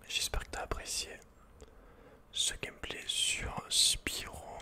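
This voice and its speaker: A man with a French accent whispering casual, intimate ASMR video game commentary in a breathy, unvoiced voice, speaking informally to the listener. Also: slow pace. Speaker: ASMR gaming host.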